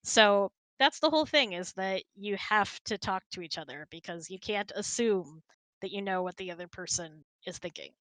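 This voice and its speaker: A woman's voice: mid-range voice, normal speed, a bit bright, no echo, poor audio. A woman hosting a casual chat, answering questions and telling stories. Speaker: host answering audience questions.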